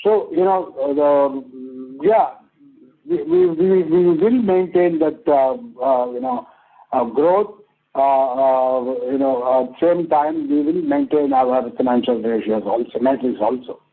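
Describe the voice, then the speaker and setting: A man with an Indian accent answering as a company executive on an earnings call, halting and repeating himself with many filler phrases. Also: medium pitch, slightly rough. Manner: halting, repetitive, full of "you know". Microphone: conference phone call. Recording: muffled narrow phone line.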